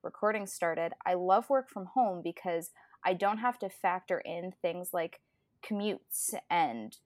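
A woman's voice: lowish voice, expressive, unhurried, darkish tone, dry recording, studio quality. A woman in her twenties co-hosting a podcast, talking casually in a chatty, rambling way full of restarts. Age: 20s. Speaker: podcast co-host. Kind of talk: casual chat.

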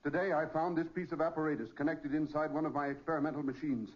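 An actor playing a desperate, doomed amateur inventor in 1940s radio style, grave and urgent. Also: male voice, a little high, flat delivery, quick pace, noisy background, lightly acted. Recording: muffled, dull 1940s radio recording.

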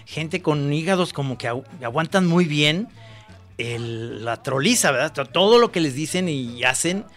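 A man's voice: fairly high pitch, expressive, moderate pace, a bit bright, soft background music. A man with a Mexican accent co-hosting a podcast, laughing, teasing and swearing casually. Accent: Mexican Spanish. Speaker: podcast co-host. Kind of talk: casual chat.

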